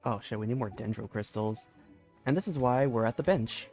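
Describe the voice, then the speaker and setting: A man's voice: mid-range voice, brisk, faint music behind. Chatty young male game streamer. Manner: chatty, talks to viewers, bursts into laughter and excited shouts. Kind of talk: casual gaming livestream chat. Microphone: desk mic with limiter filter.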